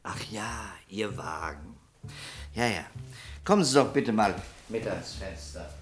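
An actor playing a shrewd, relentless police detective in a radio crime play, speaking with precise, accusatory delivery. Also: male voice, fairly low pitch, expressive, measured pace, faint music behind. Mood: insistent, triumphant.

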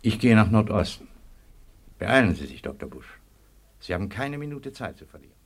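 An actor playing a stern but decent colonel in a radio drama, measured, authoritative and urgent. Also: male voice, lowish voice, very animated, breathy edge, exaggerated voice. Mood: grave urgency. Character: stern, decent military camp commandant, a colonel. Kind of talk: German radio drama acting.

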